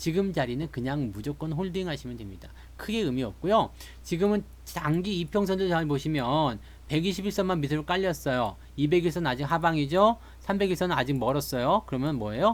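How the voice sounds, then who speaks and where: The delivery is fairly quick, with lively intonation. The recording is very clean, with a silent background. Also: man, fairly high pitch for a man. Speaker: stock market analyst streamer. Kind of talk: live stream chart analysis. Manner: casual, conversational.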